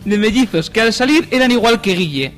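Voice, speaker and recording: A man's voice: high voice, expressive, fairly quick. A man co-hosting a comedy podcast, narrating a fan fiction and laughing often as he reads, with faint music behind. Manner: laughs often while reading. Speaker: podcast co-host.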